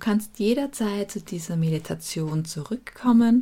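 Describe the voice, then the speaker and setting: Speaking at a very slow pace, a woman has a calm, warm tone, a somewhat breathy sound and lively intonation. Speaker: podcast host and meditation guide. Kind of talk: guided meditation, spoken slowly and soothingly with gentle encouraging cues. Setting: solo recording, podcast. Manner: slow, calm, soft-spoken, with long pauses between instructions; warm, reassuring, intimate tone addressing listener as 'du'.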